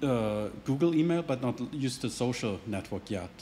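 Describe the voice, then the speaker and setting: A man's voice: mid-range voice, lively intonation, normal speed, mellow, slight background noise. A man answering audience questions at a tech meetup, hesitant, with many restarts and hedges. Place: meetup venue, indoors, standing at a lectern.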